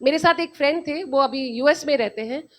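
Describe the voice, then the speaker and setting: Female host, high-pitched, earnest and preachy, motivational live-stream talk with repeated key lines. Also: brisk.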